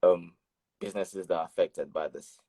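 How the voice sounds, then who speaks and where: Deep-voiced young man, deliberate. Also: fairly even intonation, warm tone, no echo. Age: 20s. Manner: deliberate, stresses key words. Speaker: PhD student guest. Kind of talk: casual conversation.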